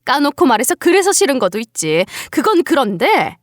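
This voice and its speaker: A cruel older mother-in-law, a doctor, sneers and scolds with open contempt, as a woman voices her. Her voice sits high and swings widely from line to line. It is recorded dry and close for a story reading. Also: big pitch swings, a little fast, no echo. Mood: outraged.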